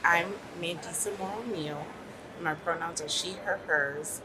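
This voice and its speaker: A woman from the American South, a legal policy director, speaking in a measured, grateful testimonial at a conference. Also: fairly low pitch, noisy background. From New Orleans, US South. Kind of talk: short testimonial interview. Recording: crowd chatter behind.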